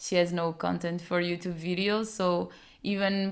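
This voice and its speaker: A fairly slow, monotone delivery with flat intonation and a Portuguese accent. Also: woman. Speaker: podcast host. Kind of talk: casual chat.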